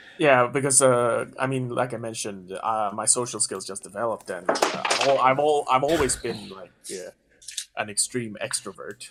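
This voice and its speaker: The speaker is a man with an American accent and a medium pitch. He keeps a moderate pace and ordinary pitch variation, with big swings in loudness. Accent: sounds American despite being Swedish. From Sweden. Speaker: podcast guest. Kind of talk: casual chat. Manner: halting, many fillers.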